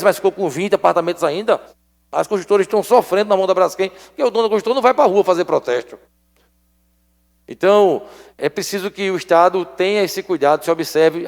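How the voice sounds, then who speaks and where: A man's voice: sits high, darkish tone. A man, a state legislator making an emphatic floor speech and repeating his points for stress. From Alagoas, Brazil. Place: legislative assembly chamber. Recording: long reverb of an assembly chamber.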